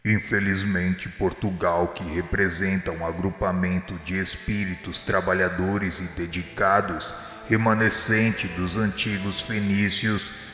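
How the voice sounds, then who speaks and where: An actor playing Jesus in a radio drama as a grave, merciful divine master, speaking in measured, formal oratory. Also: male voice, low voice, fairly bright tone. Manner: measured, solemn, preaching declamation. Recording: echoey reverberant hall sound, music underneath. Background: music.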